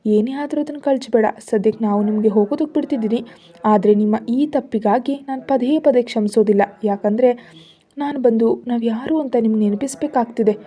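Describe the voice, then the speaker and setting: Woman doing gangster husband, cold, threatening, flat, dark mellow tone, storybook. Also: a little high, a little fast, close to an everyday voice.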